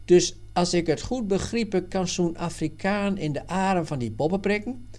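A man's voice: high voice, moderate pace, a little mellow, pitched above the performer's own voice, lightly acted. A man doing a blunt, skeptical friend. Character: adult man, skeptical, quick-tempered friend.

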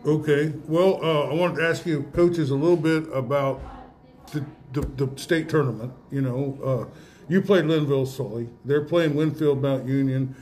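A man's voice: fairly high pitch, steady tone, a little mellow. An American man hosting a casual sports interview, feeling his way through questions with repeated words and hesitations. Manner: halting, repeats words while forming questions. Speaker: sports radio interview host.

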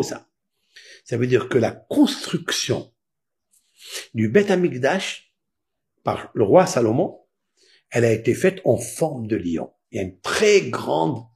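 A man teaching a Torah lesson in a sermon style, asking rhetorical questions and rising to loud, emphatic peaks. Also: medium pitch. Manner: unhurried with drawn-out words.

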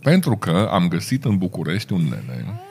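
A man chatting casually and in a relaxed way, telling a story. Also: deep voice, creaky. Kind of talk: casual chat.

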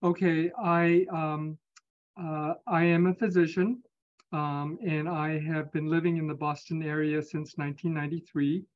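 A man in his fifties from Singapore speaks in a slightly raised register. He answers carefully, pausing often as he gathers his thoughts. The remote audio sounds dull and lo-fi. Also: fairly high pitch, little pitch movement. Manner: measured, hesitant, with many pauses. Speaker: interview guest, physician. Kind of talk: conversational interview.

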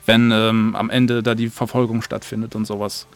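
A man's voice: on the low side, little pitch movement, moderate pace. A man chatting casually as an interview guest, in rambling, colloquial sentences. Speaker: interview guest, audio drama producer. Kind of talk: casual chat.

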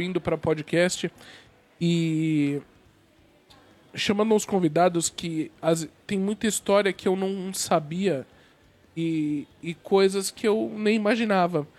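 A man hosts a live interview, his fairly high voice stuffed up and a bit nasal from a cold. He talks hesitantly, circling back with fillers and restarts. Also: darkish tone. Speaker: host of a live show.

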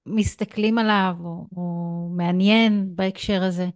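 A woman's voice: medium pitch, steady tone, clean tone, dry recording, clean studio sound. A woman with an Israeli accent hosting a conversational podcast interview. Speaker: podcast host.

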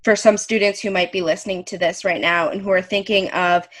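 A woman's voice: lowish voice, steady tone, fairly quick, a bit bright. A woman hosting a casual interview, asking friendly, curious questions. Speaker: host.

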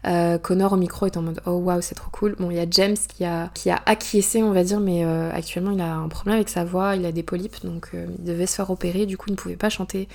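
A young woman from France, an author, chatting through a personal story in a casual monologue, full of hesitations, fillers and quick asides. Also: fairly low pitch, fairly even intonation, darkish tone.

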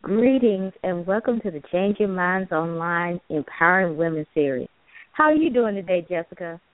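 A woman's voice: on the low side, expressive, moderate pace, background noise. Woman host on a tinny phone line. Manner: warm-toned welcoming host, laughs easily. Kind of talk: casual show hosting.

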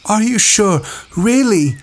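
A man's voice: high-pitched, expressive, takes it slowly, voice pushed up. A man voicing an anxious, timid schoolboy in an audiobook, pleading and worried.

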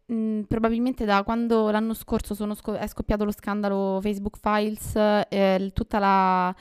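Clear-voiced woman co-hosting. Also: medium pitch, flat delivery, normal speed. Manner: thoughtful, hesitant, many fillers. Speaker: podcast co-host. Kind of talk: casual news chat.

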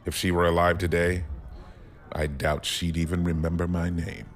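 An actor playing a self-doubting admiral in a science fiction audio drama, measured and bitterly self-deprecating. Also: male voice, sits low, flat delivery, close to an everyday voice. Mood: bitter, ashamed. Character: self-doubting male admiral, career military bureaucrat. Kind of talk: dramatic acting.

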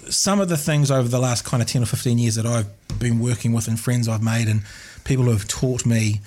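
A man's voice: mid-range voice, a little fast, a little mellow. Chatty, rambling male radio host. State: slightly husky after illness. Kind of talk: casual live interview.

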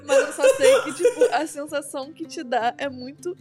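A woman's voice: high-pitched, normal speed, over loud music. A young woman co-hosting a book chat, telling stories animatedly and laughing often. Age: young adult. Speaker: podcast co-host discussing a book. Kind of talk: casual chat.

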